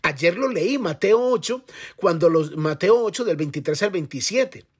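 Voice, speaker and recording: A man with a somewhat high, husky voice delivers a devotional sermon as a pastor. He preaches with passion and speaks straight to the listener in a personal, conversational way. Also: expressive, normal speed.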